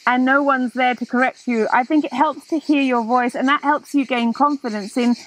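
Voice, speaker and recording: A woman in her thirties hosting a casual chat outdoors, animated and quick to laugh. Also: high voice, low-quality recording. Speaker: host. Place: outdoors in a garden, seated in a hammock.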